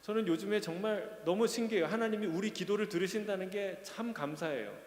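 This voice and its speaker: A man's voice: high-pitched, a little fast, a little mellow. Earnest male pastor in an echoey hall. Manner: earnest, questioning, rising to emphatic peaks. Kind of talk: sermon. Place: church sanctuary.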